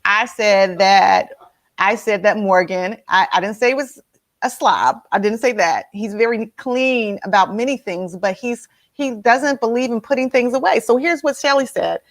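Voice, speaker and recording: A woman's voice: medium pitch, moderate pace. A woman host with a slightly nasal voice, leading a casual motivational talk and asking her listeners many questions.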